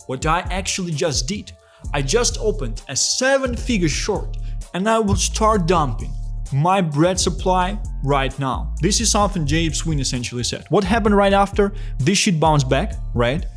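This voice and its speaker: A man's voice: high-pitched, expressive, moderate pace. Blunt, profane man with light music. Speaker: crypto commentator. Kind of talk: casual commentary video.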